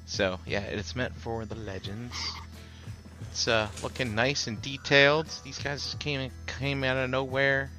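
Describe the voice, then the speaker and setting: A man's voice: medium pitch, flat delivery, measured pace, sharp tone, soft background music. A man hosting a casual collector podcast, talking loosely through toy news with fillers and the odd swear. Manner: laid-back, lots of fillers, swears. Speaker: podcast host.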